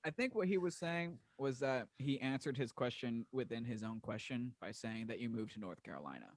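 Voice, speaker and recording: A man's voice: medium pitch, animated, a little fast, no echo. A young man co-hosting a casual podcast with laid-back, teasing banter. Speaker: podcast co-host.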